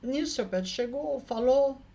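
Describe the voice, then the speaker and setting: A woman vlogger telling a personal story in a casual, lively way, often adding quick tag questions. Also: high voice, gravelly. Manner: lively, acts out the people in her story.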